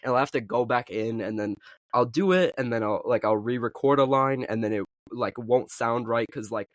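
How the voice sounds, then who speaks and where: A young man co-hosting a casual podcast chat, talking in halting stretches full of "like" and "uh". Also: mid-range voice, no echo, studio quality. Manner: halting, filler-heavy, lots of "like". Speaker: podcast co-host and video creator.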